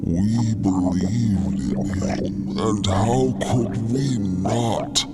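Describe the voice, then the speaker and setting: An actor voicing an ailing, wistful insectoid alien disciple in an audio drama, with ornate, halting, solemn speech and a gravelly, sometimes breathy voice. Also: male voice, fairly low pitch. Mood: reverent, wistful. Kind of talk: audio fiction character acting. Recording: loud music under the voice.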